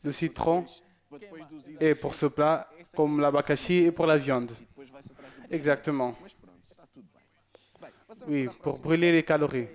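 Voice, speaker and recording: A man's voice: on the high side, steady tone, slow pace, pauses often. A man presenting a church show, chatting casually and joking as he reads out viewer messages.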